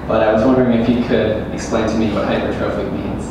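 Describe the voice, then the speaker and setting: A young adult man, a student debater, posing measured leading questions with hesitant fillers. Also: fairly low pitch, little pitch movement. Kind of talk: formal debate, cross-examination. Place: large echoey university hall. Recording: echoey hall, distant mic, background noise.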